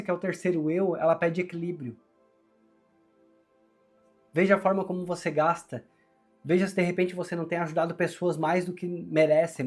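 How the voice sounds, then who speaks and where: Male Brazilian tarot reader, fairly high voice strained by a sore throat, earnest and encouraging, music underneath. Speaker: tarot reader, channel host. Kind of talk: conversational tarot reading to viewers.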